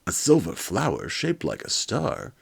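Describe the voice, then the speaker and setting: A man playing an earnest, excitable hero scientist from a children's robot storybook. The delivery is hammy and theatrical, pitched somewhat above a deep natural register. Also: measured pace, gravelly, breathy edge, heavily acted. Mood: grave, shocked. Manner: hammy dramatic reading. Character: earnest heroic male scientist, Doctor Fury, excitable.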